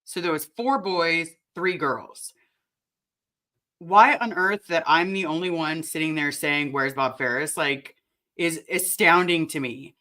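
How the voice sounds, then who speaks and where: A low-pitched woman with a raspy, bright, forceful voice hosts a casual live chat. She talks quickly and animatedly, turning often to address her viewers. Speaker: livestream host.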